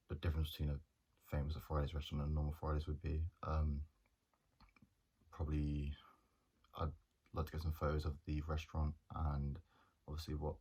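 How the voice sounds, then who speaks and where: A young man, a journalism student talking through his plans in a hesitant, monotone way with many pauses and restarts. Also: a bass voice, husky. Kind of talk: casual reflective monologue.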